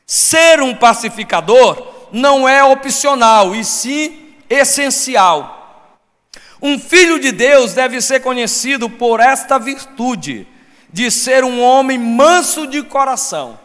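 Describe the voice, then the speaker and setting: A man preaching a sermon as pastor, with a Brazilian Portuguese accent, swinging between shouted points and soft asides. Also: very high voice, animated, slow pace. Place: church hall. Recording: long church reverb.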